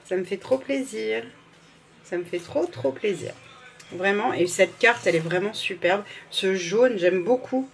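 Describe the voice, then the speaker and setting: A woman's voice: mid-range voice, measured pace, creaky, slight background noise. A woman vlogger in casual, gushing chat, fumbling and apologizing as she reads out names. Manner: fumbles and restarts while reading labels.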